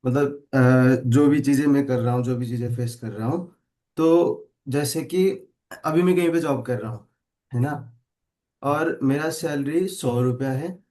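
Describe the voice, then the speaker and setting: A man in his twenties sharing a personal struggle with a group, pausing and searching for words. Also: medium pitch, warm tone. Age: 20s. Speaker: participant sharing a problem.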